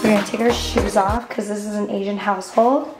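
A woman in her twenties, talking casually to a handheld camera in a hotel room, bubbly and chatty, her voice hoarse and nearly gone. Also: mid-range voice, steady tone, brisk, over loud music. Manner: bubbly, chatty, addresses viewers as besties. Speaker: vlogger. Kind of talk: casual vlog chat to camera. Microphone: camera held at arm's length.

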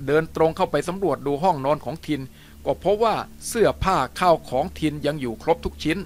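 A man's voice: fairly high pitch, brisk, slight background noise. A man steadily and expressively reading a novel aloud as a storyteller. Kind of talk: audiobook narration of a novel. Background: faint music.

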